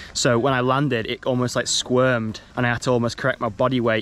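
Faint music sits behind a man who speaks at a fairly quick pace in a monotone, flat intonation, the sound dry with no echo. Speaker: mountain bike vlogger. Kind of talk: casual vlog chat. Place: open country. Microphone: phone near.

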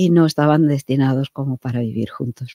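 Against a quiet background, a woman speaks at a moderate pace in a dark, mellow tone with ordinary pitch variation, the sound dry with no echo. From Czech Republic, Prague; Czech Republic. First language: Czech (speaking Spanish). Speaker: writer and translator; interviewee. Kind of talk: radio interview. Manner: halting, many fillers. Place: studio. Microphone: studio mic.

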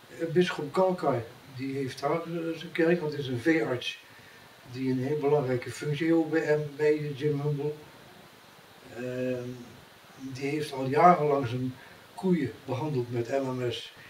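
A man's very slow, fairly even delivery with long, frequent pauses, audible room echo and light background noise. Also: fairly high pitch for a man. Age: 70s. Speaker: homeopath. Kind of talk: casual interview. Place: home room. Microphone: camera far.

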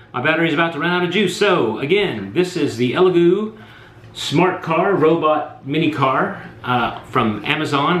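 Against music in the background and audible room echo, a man speaks at a moderate pace. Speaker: product reviewer. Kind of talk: product review tutorial.

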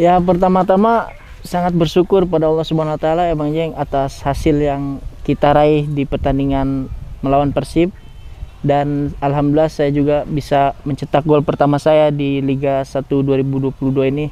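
Fairly high in pitch for a man, his voice has a dark, mellow tone and fairly even intonation at a moderate pace, with a dry sound and no echo. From West Java, Sukabumi; West Java. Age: 20s. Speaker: professional footballer. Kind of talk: interview. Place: garden. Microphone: lapel.

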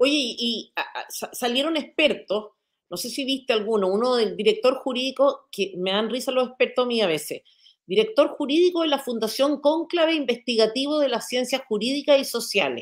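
With a Chilean accent, a woman speaks at a moderate pace in a high voice. Her intonation is lively, and the background is quiet. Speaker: political interviewer. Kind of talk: video interview. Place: home room.

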